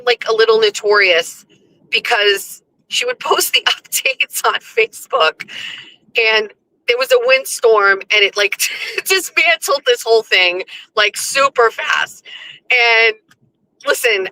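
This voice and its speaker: A young woman hosting her own show, her voice hoarse and a little scratchy. She tells a story in a loose, chatty way, laughing through it and swearing without a second thought. Her tone is bright and sits a little high. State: hoarse from screaming. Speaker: podcast host. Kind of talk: casual storytelling.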